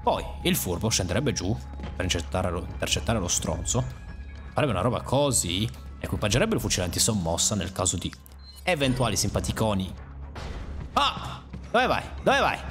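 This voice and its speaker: A young man giving let's play commentary over a game, excitable, swearing at and mocking enemies, his voice jumping into sudden high yelps. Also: normal speed, music in the background. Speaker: gaming YouTuber.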